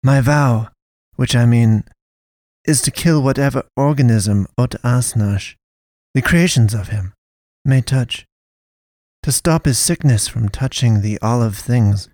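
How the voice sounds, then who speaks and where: A man reading a story, voicing a stern foreign woman pastor who hunts monsters, speaking slow, blunt, broken sentences. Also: medium pitch, a little mellow, no echo, voice pushed up, lightly acted. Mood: defiant. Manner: broken grammar, blunt, measured.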